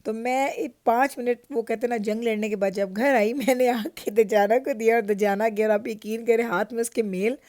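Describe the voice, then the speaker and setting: Pakistani mom vlogging from home, chatty storyteller, bit high voice, dry close sound. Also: female voice, fairly even intonation, normal speed, few pauses, darkish tone, no room sound. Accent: Pakistani Urdu. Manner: chatty and storytelling, laughs often. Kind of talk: casual vlog narration. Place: home in Canada.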